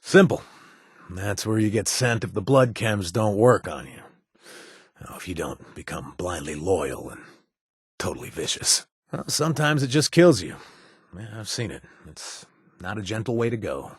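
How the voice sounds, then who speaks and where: A husky, joking ex-raider game companion, low voice, very expressive, dry booth sound. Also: male voice, moderate pace, dry recording, heavily acted. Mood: regretful. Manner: joking, warm and protective. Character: wry ex-raider man, friendly informant. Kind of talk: video game voice lines.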